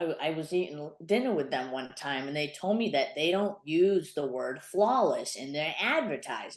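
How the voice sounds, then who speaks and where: Her very deep, low pitch carries lively intonation at a moderate pace. This woman speaks with hardly any pauses. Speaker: makeup content creator. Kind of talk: casual chat.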